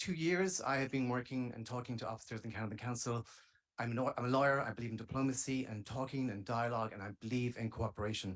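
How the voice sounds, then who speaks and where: A man with an Irish accent at a very fast pace, with ordinary pitch variation. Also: medium pitch for a man. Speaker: lawyer and arts association president. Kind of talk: audience question at public meeting.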